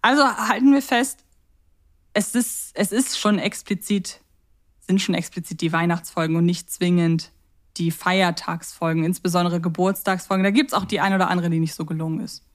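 A woman's voice: lowish voice, steady tone, normal speed. A woman co-hosting a podcast in casual, unscripted and rambling chat. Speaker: podcast co-host.

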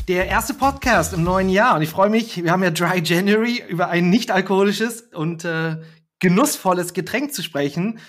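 A man hosting a podcast in a friendly, upbeat way, his voice sitting a little high. He strings together long questions with a few fillers, and faint music plays under him. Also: normal speed, a bit bright. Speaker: podcast host. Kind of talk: podcast interview.

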